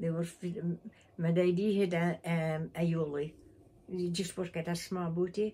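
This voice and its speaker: In a northeast Scottish accent, a woman speaks at a moderate pace with fairly low pitch, a somewhat breathy, dark, mellow tone and monotone, flat intonation. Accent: north-east Scots (Doric). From Scotland, north-east, Fraserburgh area. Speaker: gansey knitter. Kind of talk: interview. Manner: halting.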